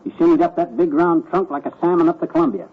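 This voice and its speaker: An actor playing a folksy, blustery middle-aged husband in an old radio comedy. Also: male voice, a little high, fairly even intonation, fast, husky, phone-quality sound. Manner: folksy, slangy. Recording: noisy old radio transcription.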